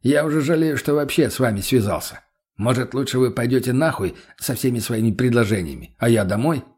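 A man's voice: medium pitch, animated, darkish tone, husky. A man as a sardonic gypsy mercenary. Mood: dry. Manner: dry, blunt, unhurried. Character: cool, sardonic male Lovari gypsy mercenary.

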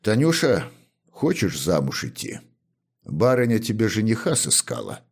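Man playing an older butler, stern, bossy, gruff, commanding, lively inflection, audiobook. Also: on the low side, a little slow, voice pushed up, full character voice. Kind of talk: audiobook character reading.

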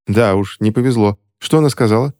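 A man's voice: fairly low pitch, brisk, a little mellow, dry recording, studio quality, pitched above the performer's own voice, natural voice. A man reading an audiobook voices a suspicious young boy who questions his friend bluntly and impatiently.

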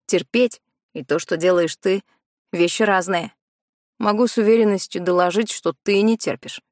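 A woman's voice: medium pitch, normal speed, a little mellow, no room sound, clean studio sound, close to an everyday voice. A woman voicing a self-assured teenage schoolboy who teases and needles a girl in an audiobook. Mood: teasing. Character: teenage schoolboy, cocky and teasing.

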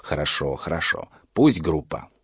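A man's voice: rumbling low, sing-song, normal speed, fairly bright tone, breathy edge, no room sound, muffled recording, pitched below the performer's own voice, exaggerated voice. A man reading a story, voicing a mild, puzzled old father questioning his son.

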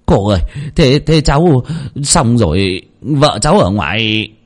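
A man voicing a panicked villager who shouts and begs for help. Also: mid-range voice, big pitch swings, unhurried. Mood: frantic.

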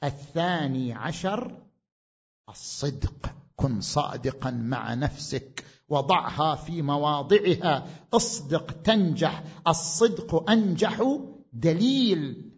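A male preacher giving a sermon, speaking emphatically, rising to loud proclamations and asking his listeners questions. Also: on the high side, expressive, slow, breathy edge, dull audio. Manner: asks the audience questions. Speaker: Shia preacher.

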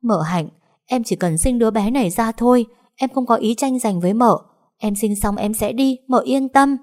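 A cheeky young servant girl answers back in a high, pert voice, as a woman narrator puts her on. She sounds unhurried and brazen, a figure from a spoken audio story. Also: lightly acted. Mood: pleading. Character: young female servant, pregnant, brazen and defiant.

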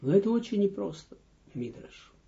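A man's voice: sits high, big pitch swings, normal speed, vocal fry, dark tone. A man, a rabbi, giving a spoken lesson, reading short lines aloud and then explaining them step by step. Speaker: rabbi teaching a text. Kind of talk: slow spoken Torah lesson. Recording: dull lo-fi audio lesson recording.

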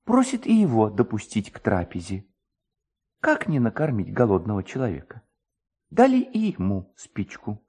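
A man's voice: on the low side, wildly swooping pitch, normal speed, mellow, husky, voice pushed down, exaggerated voice. A man voicing a superstitious, talkative village distiller in a storybook reading, anxious and pleading in manner. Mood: eager storytelling.

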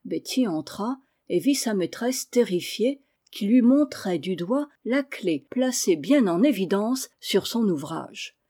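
A woman narrating a classic children's novel aloud in an even, measured way. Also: mid-range voice, slightly rough. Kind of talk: audiobook reading.

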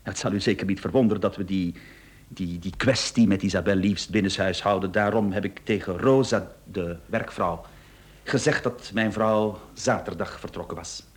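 Husky-voiced, nervous, evasive husband. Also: male voice, deep voice, steady tone. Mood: explaining, hesitant. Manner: hesitant, halting, polite. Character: nervous, evasive husband feigning calm under police questioning. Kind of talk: radio play acting.

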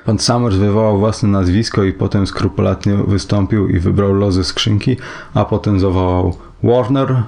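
Gravelly low-voiced male storyteller. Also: little pitch movement, normal speed, warm tone. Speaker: narrator. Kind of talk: audiobook narration of a short story.

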